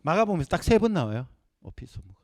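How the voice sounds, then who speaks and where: A middle-aged man giving a Bible seminar lecture, animated and acting out scenes for his class. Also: a little high, quick pace.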